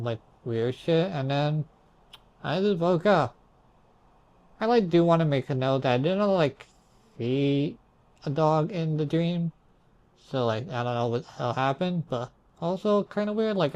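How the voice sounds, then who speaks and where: A man's voice: mid-range voice, a little mellow, dull audio. A young man with a mid-range voice recounts his dreams casually. He sounds hazy and puzzled, drifting into asides and circling back as he tries to piece things together. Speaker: storyteller recounting own dreams. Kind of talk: casual rambling storytelling.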